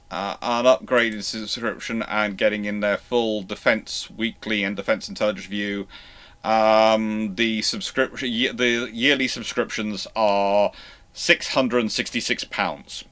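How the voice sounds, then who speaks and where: Guy doing a live q&a, lowish but sharp bright voice, rambles and keeps restarting his sentences. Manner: halting, rambling, often repeats and restarts phrases. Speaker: host of a naval history livestream. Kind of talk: unscripted livestream Q&A, answering viewer questions.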